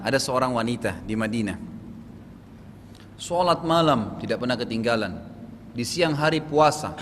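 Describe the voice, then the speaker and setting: A man with a Makassar Indonesian accent explains matters of faith to an audience, checking in with his listeners as he goes. His mid-pitched voice carries a long hall reverb. Faint background hum sits under it. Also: a bit bright. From South Sulawesi, Indonesia. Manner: explanatory, repeats "gitu kan?" to check understanding. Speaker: preacher. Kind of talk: religious Q&A lecture.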